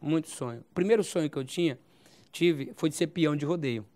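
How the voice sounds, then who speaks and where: A man in his forties with a Brazilian accent from Goiás, a pastor telling his life story as a guest in an interview, with a halting style that often repeats phrases and adds "né?". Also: fairly high pitch, a little mellow. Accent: Brazilian Portuguese, Goiás. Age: 40s. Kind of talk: recounting a personal testimony.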